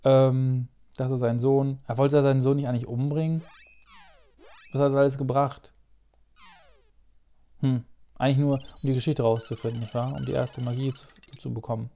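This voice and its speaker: A man's voice: medium pitch, level tone, moderate pace, gravelly, pauses often, mellow, faint music behind. A man chatting and joking in a self-mocking way as he comments on a video game. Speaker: let's play commentator. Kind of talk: casual gameplay commentary.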